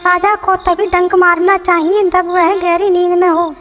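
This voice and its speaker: A woman voicing a squeaky bossy bedbug. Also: flat delivery, a little slow, fairly bright tone, faint music behind. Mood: lecturing. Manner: scolding, bossy. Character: bossy, territorial male bedbug. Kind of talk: cartoon voice acting.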